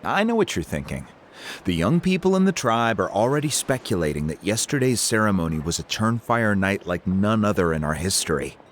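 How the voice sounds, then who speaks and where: A thoughtful tribal chief in a video game. The voice is low, with lively melody, and explains things formally and reassuringly. A faint ambient noise sits behind. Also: male voice, brisk. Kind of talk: video game character dialogue.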